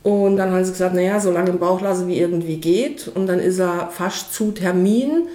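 A woman's voice: fairly low pitch, brisk, warm tone. A woman in her fifties with a Saarland dialect, talking casually and bluntly about her own life as an interviewee. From Saarland, Germany. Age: 50s. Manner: chatty, blunt, dialect-coloured speech. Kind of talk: casual personal account.

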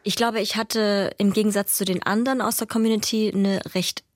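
A woman's voice: mid-range voice, steady tone, brisk, no echo, clean studio sound. A young adult woman from Vietnam, an actress and author, answering interview questions thoughtfully and restarting phrases as she searches for words.

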